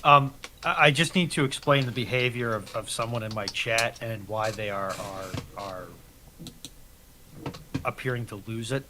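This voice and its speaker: A man's voice: medium pitch, normal speed. A man chatting casually and informally as a panellist on a live show. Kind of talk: casual chat. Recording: noisy home mic with clicks.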